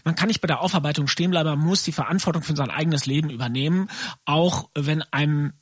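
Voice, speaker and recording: A man's voice: on the high side, fast talker, slightly rough, no room sound, clean studio sound. A man in his fifties speaking earnestly and emphatically from personal experience in a reflective discussion. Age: 50s.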